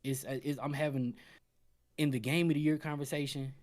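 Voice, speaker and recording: Animated man chatting on a gaming panel. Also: on the high side, brisk. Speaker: panelist on a gaming livestream show. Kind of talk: casual chat and recommendations.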